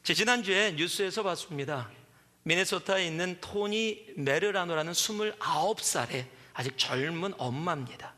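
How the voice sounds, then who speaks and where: A pastor in his forties delivers a sermon in a church sanctuary. His voice sits high and sounds sharply bright. He brings stories to life by acting out the people he quotes, and the long hall reverb trails after his words. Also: normal speed. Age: 40s.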